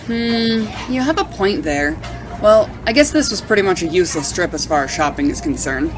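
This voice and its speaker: A woman's voice: on the low side, expressive, moderate pace, over music, lightly acted, poor audio. A woman playing a friendly, practical companion in an amateur audio drama, with a casual, conversational delivery.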